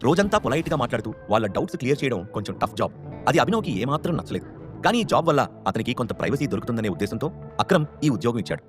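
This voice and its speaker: A man narrates a dramatic story at a very fast clip. His pitch swings widely from line to line, and quiet music plays behind him. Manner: fast, animated reading that lifts pitch for quoted characters. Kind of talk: scripted story narration with character dialogue.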